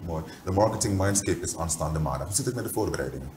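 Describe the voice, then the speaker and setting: A man's voice: sits low, animated, racing, a little mellow, a little hiss or hum. A young adult man with a Surinamese accent, interviewing guests conversationally as a television host. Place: TV studio, seated at desk.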